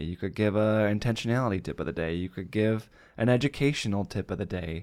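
A man with a plain, everyday voice, fairly low in pitch with ordinary pitch variation, on a very clean recording with a silent background. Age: 30s. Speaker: copywriter and cycling advocate. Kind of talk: casual interview chat.

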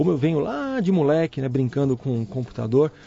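Music plays behind a man whose fairly high voice moves with lively intonation at a moderate pace. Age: 30s. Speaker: podcast host and corporate speaker. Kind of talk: casual interview chat.

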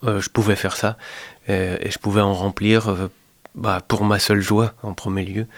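A man speaks at a fairly slow pace with a fairly low pitch and monotone, flat intonation. The sound is dry and close, with no echo. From Anjou, western France. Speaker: poet. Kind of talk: interview. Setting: radio studio.

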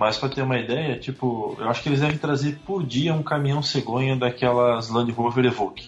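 Over noticeable background noise, a man talks at a moderate pace and medium pitch with hardly any pauses, very even loudness and fairly even intonation. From western Santa Catarina, Brazil (Videira). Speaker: podcast guest, local of the state. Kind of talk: casual chat.

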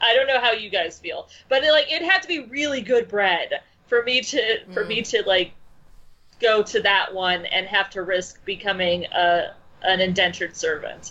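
A woman with an American accent talks at a moderate pace, her fairly high pitch making very wide swings. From US Midwest, Chicago. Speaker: comic writer. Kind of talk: casual chat.

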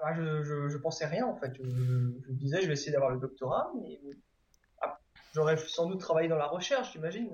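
A man with a plain, everyday voice, fairly high in pitch, at a moderate pace with ordinary pitch variation. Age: 20s. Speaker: entrepreneur. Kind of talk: interview.

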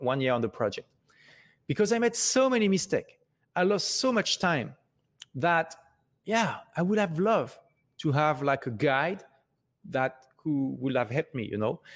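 On a very clean recording with a silent background, the speaker uses a French accent, very wide pitch swings and long, frequent pauses. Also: man. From France. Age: 40s. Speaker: author and entrepreneur. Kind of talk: live stream talk. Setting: live broadcast.

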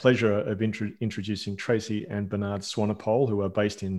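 A man with an Australian accent at a moderate pace, against a quiet background. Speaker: podcast co-host. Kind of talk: casual interview. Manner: halting.

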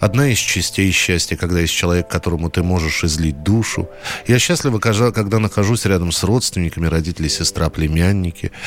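Noticeable background noise sits behind a man's very deep, low voice. He speaks at a fairly quick pace with ordinary pitch variation. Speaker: radio host. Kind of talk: radio phone-in show. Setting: studio.

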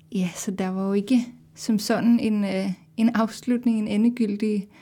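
A medium-pitched, somewhat breathy woman's voice with a dark, mellow tone and monotone, flat intonation, on a very clean recording with a silent background. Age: 20s. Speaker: documentary participant. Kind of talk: interview.

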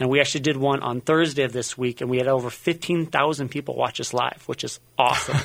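A man with an American accent talks at a fairly quick pace with hardly any pauses, using an unremarkable speaking voice at medium pitch and fairly even intonation. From Minnesota. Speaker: fitness program manager. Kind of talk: radio interview. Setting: studio.

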